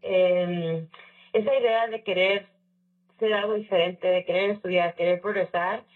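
Husky woman on a distant tinny line. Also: fairly low pitch, fairly even intonation, a little slow. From Chicago area, United States. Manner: reflective, with frequent fillers and English phrases mixed in. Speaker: scholarship recipient guest. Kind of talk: casual personal story in an interview. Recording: far-off tinny phone-like line.

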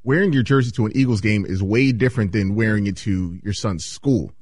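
A man's voice: fairly low pitch, brisk, darkish tone, no room sound, clean studio sound. A man chatting casually about sports as a co-host.

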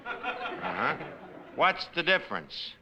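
A man's voice: sits high, huge pitch swings, slow, a crowd in the background, exaggerated voice. An actor playing a sardonic, wisecracking man who runs a tavern, in a 1940s radio comedy. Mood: wry. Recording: noisy old radio recording.

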